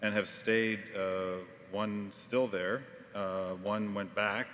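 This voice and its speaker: Lowish man speaking in a hall. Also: fairly even intonation, fairly bright tone. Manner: measured, with frequent uh fillers. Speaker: panelist, journalism educator. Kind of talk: panel discussion. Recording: reverberant hall, faint noise.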